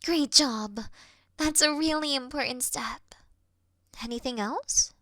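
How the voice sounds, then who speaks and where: Woman acting a gentle, high-voiced caring best friend. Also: takes it slowly, no room sound, studio quality. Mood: patient, encouraging. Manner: soft, soothing, reassuring, sighing, dropping into breathy murmurs. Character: caring, gentle young female best friend, patient and worried. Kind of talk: roleplay audio, intimate one-sided phone call.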